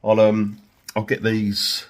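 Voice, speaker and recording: A man with a flu-croaky voice, casually explaining his livery design work in a workshop vlog. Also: lowish voice, completely flat delivery, slow pace. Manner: chatty, explains steps with many fillers. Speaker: vinyl livery maker.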